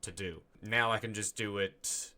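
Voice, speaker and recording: A man's voice: fairly low pitch, steady tone, unhurried, pushed and bright. A man hosting a podcast, chatting casually and enthusiastically, with the odd swear word. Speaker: podcast host. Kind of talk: casual chat.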